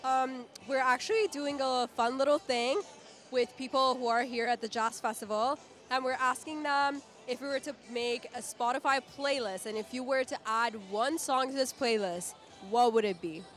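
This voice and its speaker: A woman interviewing people on the street at a festival, upbeat and quick with affirmations. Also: high voice, a bit bright, faint music behind. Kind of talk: festival vox pop interviews. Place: outdoors at a city festival.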